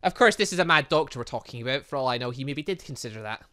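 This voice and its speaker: A man with a mid-range voice plays a visual novel, reading its lines aloud and cracking jokes about the story in a casual let's-play. His delivery is animated, rapid-fire, pushed and bright, full of chatty laughing asides and mid-word restarts.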